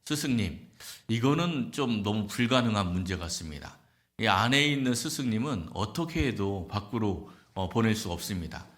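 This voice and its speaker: A man voicing a clever young male disciple who is cheeky and cunning, moving from polite pleading to mock shouting. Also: lowish voice, lively intonation, moderate pace.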